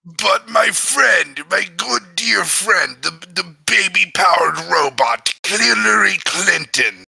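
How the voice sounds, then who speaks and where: A greedy alien junk dealer rasps and crows in a hammy, shouty drawl, as a man puts him on. The voice sits high and bright with gravel underneath. He sounds scheming and theatrical. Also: expressive, slow pace, heavily acted.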